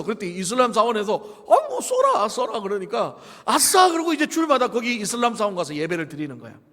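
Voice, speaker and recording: A man preaching a sermon as pastor, lively and conversational, with humorous asides to the congregation. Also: high-pitched. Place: church sanctuary. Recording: long church reverb.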